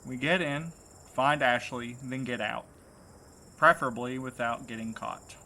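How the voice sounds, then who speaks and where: A man's voice: mid-range voice, a little slow, pushed and bright, slight background noise. A man acting in an audio drama as an earnest, anxious man set on a rescue, speaking with urgency. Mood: determined, tense. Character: determined, anxious young man set on rescuing his friend.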